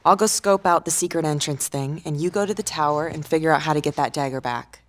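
A woman's voice: low voice, fast, lightly acted. A woman playing a concerned adventurer in her thirties in a video game, natural and earnest. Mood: decisive. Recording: music behind the voice.

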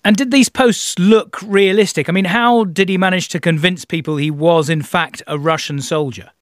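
A man presenting the news in a measured, formal way and questioning a guest. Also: high voice, no room sound, studio quality.

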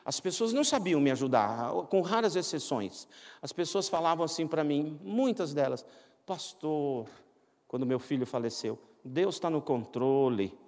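Animated Brazilian pastor in a reverberant church. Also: male voice, a little high, moderate pace. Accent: Brazilian Portuguese. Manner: animated, acts out quoted voices, self-mocking jokes. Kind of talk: humorous sermon storytelling. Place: large church sanctuary.

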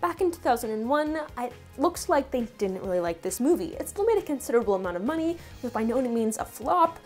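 A woman's voice: a little high, sing-song, fast talker, faint music behind. A woman narrating a film commentary video essay in a wry, sarcastic manner.

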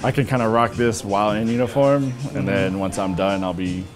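A man's voice: fairly low pitch, brisk. A man chatting easygoingly in a barbershop chair about his haircut plans, rambling a little. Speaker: barbershop client. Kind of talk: casual chat. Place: barbershop, indoors. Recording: music playing behind.

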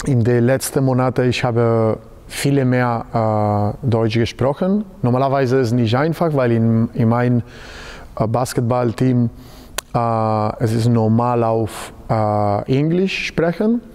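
Slow, halting Spanish-accented man. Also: mid-range voice, darkish tone, smooth. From Spain. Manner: halting non-native German with many fillers. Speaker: basketball coach. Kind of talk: interview answers. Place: large indoor sports hall. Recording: long hall reverb.

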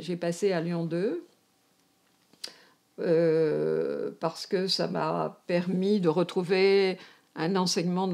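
A woman's voice: deep voice, gravelly, dark tone. An older woman with a northern French, Parisian accent recalls her academic career in an interview, hesitantly searching for words. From France. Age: older, seventies or above. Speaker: emeritus anthropology professor, interviewee. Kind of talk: reflective career recollection in a filmed interview. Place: indoors, domestic room, seated.

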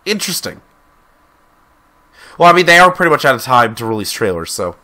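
A man's voice: medium pitch, big pitch swings, a little fast, pushed and bright. A young man hosting a casual reaction video from a small home studio on a gaming headset, chatty and enthusiastic, getting over a cold. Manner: chatty, enthusiastic, uses lots of fillers. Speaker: YouTube reaction host.

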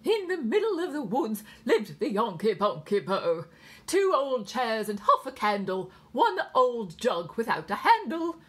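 A woman's voice: a little high, sing-song, measured pace, voice pushed up, exaggerated voice. A woman voicing a prim English nursemaid reciting nonsense verse in a theatrical singsong, in an English accent. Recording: clear background noise.

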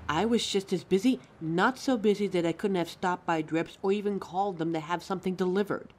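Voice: medium pitch, a little fast, a little hiss or hum, lightly acted. A performer playing a caring, anxious young werewolf partner in a roleplay audio drama, tender and fussing, stammering when flustered. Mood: worried, insistent.

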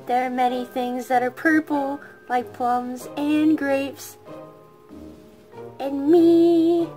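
A cheerful purple platypus hosts a children's show in a high, sweet singsong, as a woman voices her. She talks slowly and warmly. Faint music plays behind her. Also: full character voice.

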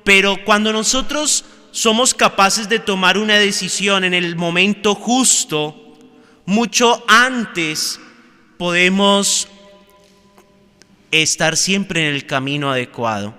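A man, a priest, reading the gospel at Mass and then preaching a homily in slow, measured phrases with pauses, recorded in a large church. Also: high voice, pushed and bright, clean tone, soft background music. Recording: long church reverb.

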